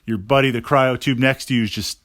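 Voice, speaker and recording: A man giving a casual podcast monologue as a gaming host, thinking aloud haltingly and repeating words for emphasis. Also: medium pitch, steady tone, a bit bright, dry recording, studio quality.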